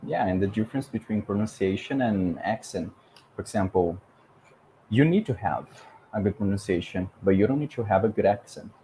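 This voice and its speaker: A man's voice: fairly low pitch, a little fast, mellow, slight background noise, poor audio. A Brazilian man with a Portuguese accent who speaks English fluently and hosts a casual chat. He talks emphatically and drives home his points with rhetorical questions. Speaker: podcast host. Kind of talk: casual conversation about language learning.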